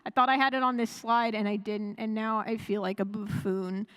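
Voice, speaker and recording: A woman's voice: mid-range voice, level tone, moderate pace, fairly bright tone, smooth, poor audio. A woman speaking as a convention panelist, chatty and enthusiastic, rambling casually and often correcting herself. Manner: chatty and rambling, with frequent self-corrections and chuckles. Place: live panel room at a fan convention.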